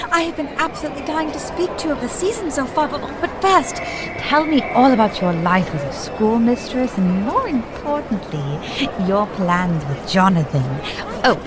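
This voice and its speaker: A woman's voice: high voice, noisy background. A woman as bubbly, gushing young Lucy. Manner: gushing, chatty, excitable. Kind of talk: stage radio play acting.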